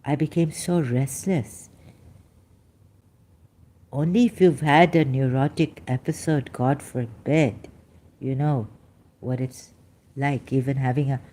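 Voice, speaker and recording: Low, mellow-voiced woman speaking haltingly. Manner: halting, searches aloud for words, many fillers and restarts. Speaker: vlogger. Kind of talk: unscripted personal monologue.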